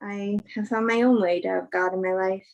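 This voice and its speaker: A woman acting as a sincere film star in a play reading. Her voice sits at a medium pitch. She phrases things carefully and earnestly, in a natural conversational style. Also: fairly even intonation, normal speed, creaky, close to an everyday voice. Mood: candid. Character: Emma, sincere film actress woman, thoughtful, open-minded believer. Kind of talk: virtual staged play reading, naturalistic dialogue.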